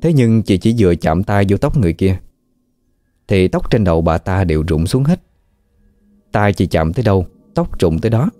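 A man with a Southern Vietnamese accent narrating a ghost story in a measured way. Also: low voice, sing-song, dark tone, dry recording. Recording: dry close mic with faint music.

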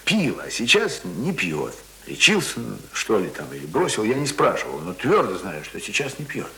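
A man's voice: on the low side, huge pitch swings, moderate pace, pushed and bright, heavily acted, low-quality recording. A man acting a talkative, coaxing village brother in a naturalistic radio play, speaking colloquially and hesitantly. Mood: coaxing, explaining. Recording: hissy old radio recording.

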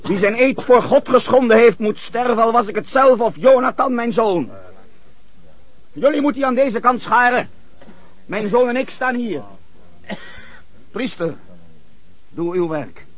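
A man's voice: very high voice, lively intonation, measured pace, pauses often, heavily acted. A man playing a stern, commanding biblical king in a radio play, imperious and declamatory.

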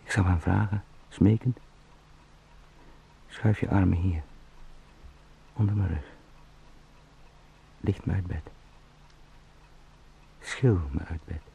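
An anxious travelling salesman who has become a helpless beetle, in a radio play monologue. His voice is low and gravelly, halting and inward, sinking toward whispers. There is faint noise behind it. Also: dark tone, exaggerated voice, low-quality recording. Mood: pleading. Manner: halting, introspective, drifting into whispers.

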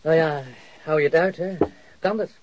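An actor playing a downhearted, earnest jobless graduate in a naturalistic radio drama, informal and hesitant, asking for advice. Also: male voice, fairly high pitch, moderate pace, darkish tone, lo-fi sound, lightly acted. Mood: doubtful.

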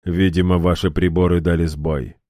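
A man voicing a created guardian who answers in a cold, flat, terse way. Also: deep voice, normal speed, no echo, clean studio sound, lightly acted. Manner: cold, flat, sparing with words.

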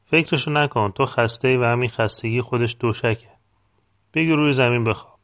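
A man's voice: medium pitch, fairly bright tone, close to an everyday voice. A man voicing a welcoming, matter-of-fact old village woman in an audiobook reading.

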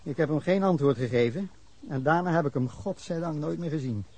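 A husky, indignant witness. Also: male voice, a little high, fairly quick, a little mellow. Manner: indignant, rambling account with bursts of anger. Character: defensive middle-aged man telling police of a drunken brawl. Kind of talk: Dutch radio drama acting.

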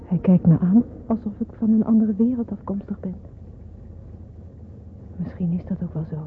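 A woman acting a brave, caring young Jewish nurse facing deportation in a Dutch radio play, speaking gently and earnestly. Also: medium pitch, moderate pace, close to an everyday voice. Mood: hushed, tense. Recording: tinny, band-limited, very noisy old radio recording.

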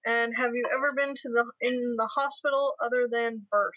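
A woman co-hosting a casual chat at home, playfully asking quick personal questions. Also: fairly high pitch, steady tone. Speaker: podcast co-host. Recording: muffled lo-fi home recording, faint hiss.

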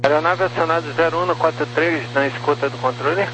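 A man, an air traffic controller, giving brisk clipped instructions heard over a two-way aviation radio. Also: a little high, steady tone, a bit bright, poor audio. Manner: terse, brisk radio calls.

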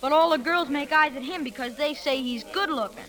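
A woman's voice: high-pitched, a little fast, fairly bright tone. A woman playing an eager, chatty young farm boy in an old radio drama.

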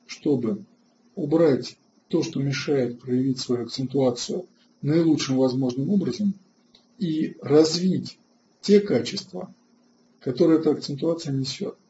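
A man hosting an online webinar lecture, halting with filler sounds and restarts, and answering chat questions between points. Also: mid-range voice, warm tone, muffled recording, slight background noise. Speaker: webinar host.

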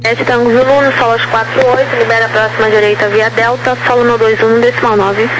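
A woman's voice: a little high, level tone, fairly quick. Brazilian woman air traffic controller on noisy radio. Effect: aviation radio. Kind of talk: radio phraseology, procedural instructions. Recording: noisy aviation radio with hum.

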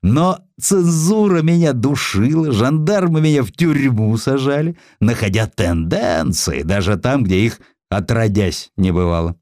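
A man's voice: medium pitch, expressive, unhurried, hardly any pauses, a little mellow, no room sound, studio quality, pitched above the performer's own voice, lightly acted. Sly, scornful old-time press baron, voiced by a male reader, hearty, swooping intonation, audiobook drama. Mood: mocking bluster. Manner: hearty, dismissive, juicy delivery. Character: sly, blustering male newspaper publisher, coarse and scornful.

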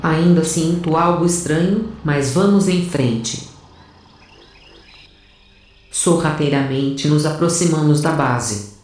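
Casting: actress as resolute soldier-narrator, low female voice, measured and grave, very reverberant audio drama sound. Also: darkish tone. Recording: very echoey, distant from mic.

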